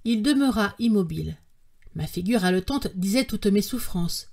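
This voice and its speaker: Woman narrating an audiobook, measured. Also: medium pitch, expressive, creaky, a little mellow. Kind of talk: scripted narration.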